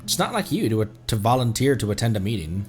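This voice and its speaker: A man's voice: on the low side, very animated, quick pace, over music. A man doing casual live commentary as he streams a video game. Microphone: streaming microphone.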